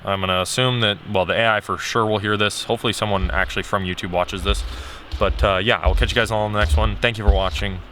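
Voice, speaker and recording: Male vlogger, lowish voice turning slightly hoarse, candid off-the-cuff delivery, some ambient noise behind. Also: steady tone, fast talker, a bit bright. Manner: rambling, candid, thinking aloud. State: voice getting hoarse. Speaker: video creator. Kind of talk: casual unscripted vlog talk.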